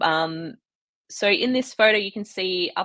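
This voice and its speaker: A woman of medium pitch with an Australian accent. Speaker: marine scientist. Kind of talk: online presentation.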